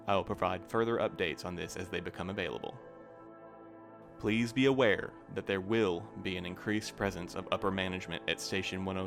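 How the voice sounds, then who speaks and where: A man playing a stiff, officious postmaster reading a formal staff letter in an audio drama, in a measured way. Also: low-pitched, a bit bright.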